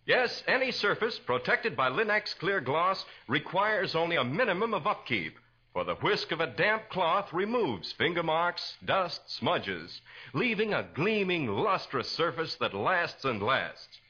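An American man works as a polished 1940s radio announcer. His voice is bright and forceful, a little husky, with animated intonation and emphatic selling. The old broadcast sound is dull. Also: a little high, measured pace.

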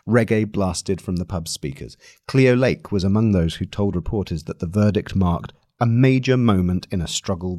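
A man reading a long-form article aloud as scripted narration, with measured, deliberate phrasing. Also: deep voice, a little mellow, husky, dry recording, studio quality.

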